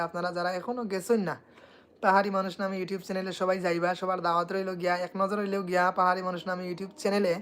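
Brief: Sylheti woman, singer hosting a live chat, low and level delivery, reads comments out eagerly. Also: a little hiss or hum. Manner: reads viewers' comments and places aloud, excitable. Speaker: singer and guest on a live stream. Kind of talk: casual live-stream chat.

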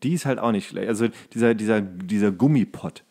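A man chatting casually as a podcast host, telling anecdotes in a halting way and often correcting himself. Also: lowish voice, vocal fry, warm tone. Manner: halting, self-correcting storytelling. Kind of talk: casual chat, rambling anecdote.

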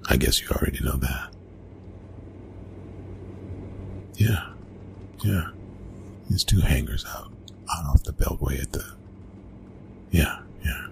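A man playing a gruff, reluctant young college bully in an ASMR roleplay, talking in a hushed, halting, casual way. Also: a bass voice, slight background noise, full character voice. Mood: grudging, hesitant. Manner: hushed, halting, casual, often breathy whispering. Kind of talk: ASMR roleplay, intimate one-sided dialogue.

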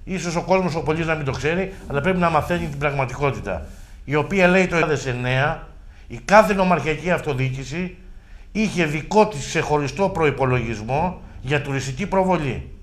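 A middle-aged man speaks as a regional official in a local television interview. He argues forcefully and puts rhetorical questions to his listeners. His voice sits a little higher than most men's. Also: expressive. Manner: emphatic, argumentative, with rhetorical questions. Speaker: regional deputy governor.

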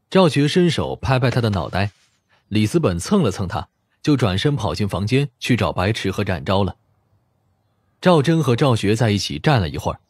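Male audiobook narrator with lively intonation. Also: mid-range voice, slightly rough, no room sound. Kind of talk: scripted narration of a mystery novel.

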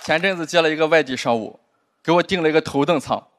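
Male stand-up comic, high voice, rapid-fire delivery. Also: a crowd in the background, noisy background. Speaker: stand-up comedian. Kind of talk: stand-up comedy set.

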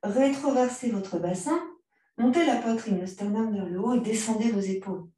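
A woman guiding a yoga class, giving calm, unhurried cues timed to the breath. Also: a little high. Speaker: yoga teacher. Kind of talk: guided yoga class instruction. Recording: very echoey room, mic far off.

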